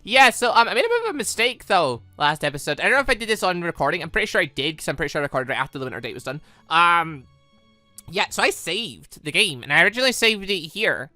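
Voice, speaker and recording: A man's voice: high voice, sing-song, quick pace, bright, forceful tone, dry recording, soft background music. A man giving casual, rambling let's-play commentary as a gaming video host, often correcting himself mid-thought. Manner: rambling, self-correcting, informal.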